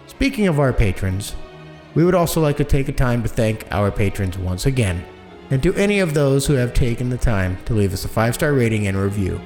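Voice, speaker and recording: A man with a mid-pitched voice hosts a podcast outro over faint music. His scripted delivery is animated, rising and falling widely as he works through his announcements. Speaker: podcast host and audio engineer reading closing credits.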